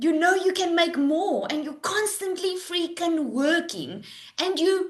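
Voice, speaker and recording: A woman speaks at a fairly slow pace in a raised, projected voice with a bright, sharp, animated tone. Room echo is audible. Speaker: online business coach. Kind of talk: webinar presentation. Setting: video call.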